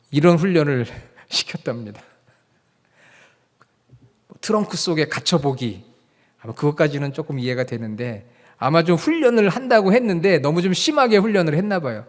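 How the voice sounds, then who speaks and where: A man preaching a sermon as pastor, animated, with rhetorical questions and loud quoted commands. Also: a little high, long reverb tail.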